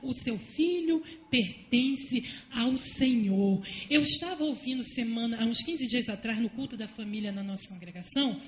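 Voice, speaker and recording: A woman giving a fervent sermon at a women's church service, mixing homely stories with loud appeals. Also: a little high. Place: church hall. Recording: echoey church room, faint noise.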